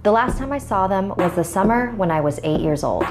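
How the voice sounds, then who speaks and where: A young woman telling a scary first-person story in a measured, suspenseful way, narrating over a music bed. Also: mid-range voice, expressive.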